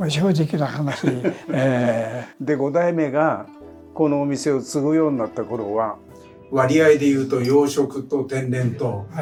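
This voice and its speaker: A man speaks very slowly at a fairly high pitch. Music plays in the background. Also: ordinary pitch variation. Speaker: food critic. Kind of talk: food show host narration and interview questions.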